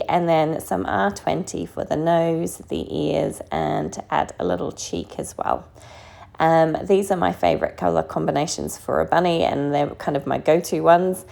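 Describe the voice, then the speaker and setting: A woman with a croaky, under-the-weather voice narrates a casual craft tutorial in a chatty, slightly tentative manner. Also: deep voice, a little mellow. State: croaky voice from being sick.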